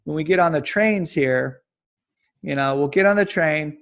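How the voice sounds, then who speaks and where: Raspy kinda high-voiced guy in his 40s, rambling on as a podcast guest. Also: normal speed, a bit bright. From Kansas, USA. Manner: rambling, self-described babbling. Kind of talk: casual conversation.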